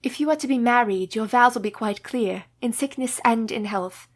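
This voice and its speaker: An actress playing a caring, composed young woman who speaks in steady, formal period English in a radio play. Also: a little high, normal speed, dry recording, lightly acted. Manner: steady, reassuring, formal speech.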